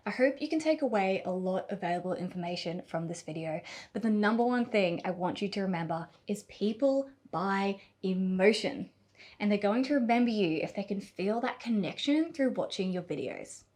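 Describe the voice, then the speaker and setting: A woman giving a scripted on-camera tutorial as a video coach, speaking expressively with deliberate pauses and emphasis. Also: mid-range voice, expressive, darkish tone.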